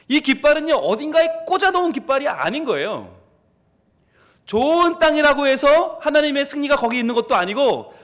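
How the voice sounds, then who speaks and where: A man's voice: extremely high pitch, fairly bright tone. A male pastor preaching a sermon and acting out quoted dialogue as he goes. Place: church sanctuary.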